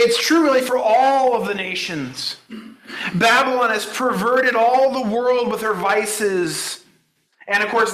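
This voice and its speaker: In poor, reverberant audio, a male pastor with a high, pushed, bright voice preaches by working through a Bible passage like a conversational teacher, checking in with his congregation along the way.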